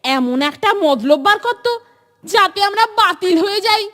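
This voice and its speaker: A woman's voice: very high voice, lively intonation, normal speed, pushed and bright, exaggerated voice. A woman voicing an anxious, eager little schoolboy sidekick in a cartoon. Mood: worried. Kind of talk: cartoon voice acting.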